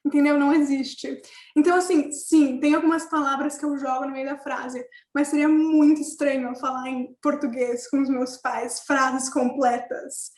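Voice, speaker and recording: A woman's voice: high voice, steady tone, moderate pace, few pauses, darkish tone, roomy sound. A young woman student guest on a casual panel chat, speaking hesitantly with little laughs. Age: young adult. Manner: hesitant, giggly.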